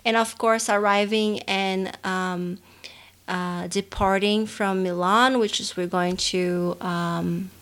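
A woman in her thirties from Brazil, with a Brazilian accent, co-hosting a podcast in casual chat. She rambles, restarting sentences and filling pauses with "um". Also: mid-range voice, fairly even intonation, a bit bright, clear, resonant tone. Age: 30s. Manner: rambling, many restarts and fillers. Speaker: podcast co-host.

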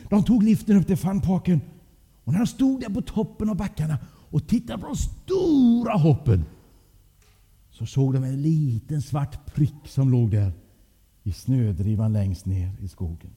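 A male storyteller with a dark, husky voice. He narrates with animated swings of pitch. Long reverb rings out in the hall. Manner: lively, animated.

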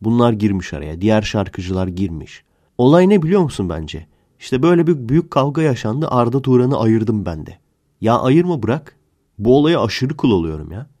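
A man's voice: mid-range voice, a little mellow. A man hosting a casual comedic podcast, telling stories in a sarcastic, joking way. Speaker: podcast host.

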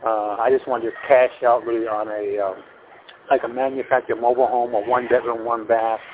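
A man's voice: mid-range voice, flat delivery, background noise. Rambling older man on a phone line. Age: 60s. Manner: rambling, halting with many fillers and restarts. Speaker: home seller on a phone call. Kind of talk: casual phone conversation. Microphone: telephone.

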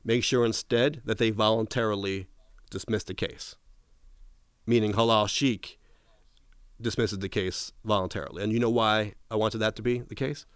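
A man's voice: on the low side, fairly even intonation, moderate pace, smooth, dry recording, studio quality. A man being interviewed, retelling a long story in a casual way, restarting often and quoting what others said. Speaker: interview guest.

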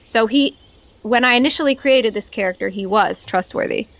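A woman's voice: fairly high pitch, normal speed, fairly bright tone. A woman narrating as game master of a tabletop game, thinking aloud with frequent fillers.

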